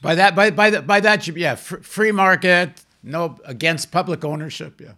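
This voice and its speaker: A man interviews a guest in a bright, forceful voice pitched slightly high. He builds his questions tentatively, unscripted, feeling his way toward the point. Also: normal speed.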